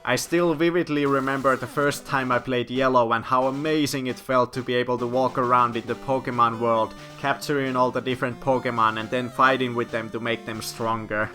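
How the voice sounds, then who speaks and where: A man's voice: mid-range voice, fairly even intonation, a little fast, few pauses, sharp tone, faint music behind. A man, a gaming channel host telling a nostalgic story from his childhood with light self-deprecating humor. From Finland. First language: Finnish. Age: 20s. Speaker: gaming YouTuber. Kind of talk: story time vlog narration.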